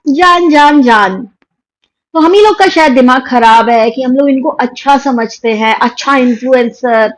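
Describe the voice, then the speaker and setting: Indian woman host, high-pitched, scolding and indignant reaction commentary. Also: low-quality recording. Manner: indignant, scolding, mocking quotes. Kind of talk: heated commentary on influencer drama.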